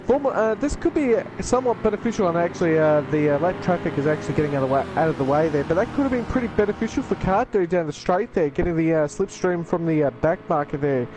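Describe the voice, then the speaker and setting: A man's voice: a little high, lively intonation, fast talker, few pauses, background noise. A man co-commentating a sim racing stream, analysing the cars with many fillers. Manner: rambling, filler-heavy analysis.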